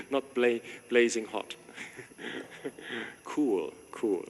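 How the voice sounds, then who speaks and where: Speaking extremely slowly in a gravelly, mid-range voice, a monk greets visitors at his monastery. He's casual, asking questions with frequent jokes and chuckles, and the recording has a reverberant space and faint ambience.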